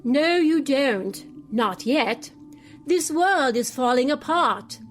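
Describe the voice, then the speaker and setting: A woman's voice: sits high, expressive, takes it slowly, faint music behind. A woman playing an imperious, scatterbrained old queen in an audio drama, weary, fussy and dismissive, speaking in a regal, theatrical manner. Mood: brooding, dismissive.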